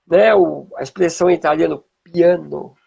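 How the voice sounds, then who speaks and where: A Brazilian man with a husky, gravelly voice, teaching informally and checking in with rhetorical questions, as a music teacher would. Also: on the high side, steady tone, normal speed, warm tone, muffled recording. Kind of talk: informal explanatory talk with demonstrations.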